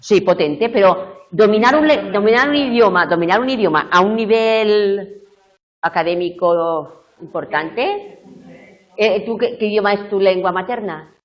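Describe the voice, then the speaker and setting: A woman's voice: mid-range voice, unhurried. A middle-aged woman giving a university tutorial lecture, explaining step by step and often checking in with her students. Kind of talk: live video tutorial lecture. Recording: muffled lo-fi classroom recording.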